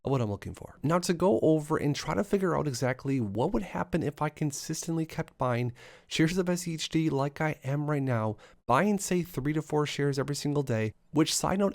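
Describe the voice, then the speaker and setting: A man in his thirties hosting an investing channel, talking fast through numbers with upbeat lists and asides. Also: on the high side, gravelly. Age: 30s. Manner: brisk, upbeat run-on explaining with lots of lists and asides. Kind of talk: solo finance talk to camera.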